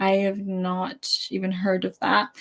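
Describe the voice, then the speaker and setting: The tone is animated on a very clean recording with a silent background. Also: woman. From Scotland. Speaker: anime streamer. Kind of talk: casual live stream chat. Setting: live stream.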